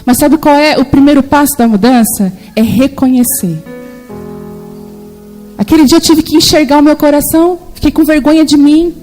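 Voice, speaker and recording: A Brazilian woman in her forties preaching a sermon with lively, animated storytelling in which she acts out the voices she quotes. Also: sits high, moderate pace, soft background music, low-quality recording. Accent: Brazilian Portuguese.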